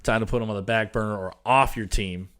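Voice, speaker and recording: A man in his twenties with a slightly low voice co-hosts a fantasy sports podcast. He talks in a relaxed, chatty way and laughs easily through his stories. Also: quick pace. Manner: laid-back storyteller, laughs often. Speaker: podcast co-host, coach. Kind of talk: casual sports chat.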